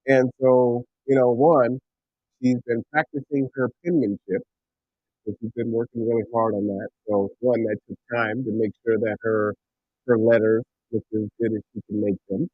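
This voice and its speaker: A man's voice: mid-range voice, level tone, normal speed, slightly rough, no room sound. Podcast host guy, rambling casual chat, sounds like a tin can, dry, phone-thin tinny audio. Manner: rambling, with many fillers and restarts. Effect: tinny sound, like talking inside a tin can.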